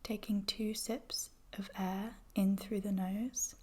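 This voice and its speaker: Female meditation guide: hushed, mellow delivery, very even pitch, gentle and soothing, breathy texture. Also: slow. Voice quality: soft, breathy, whispery. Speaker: yoga nidra guide.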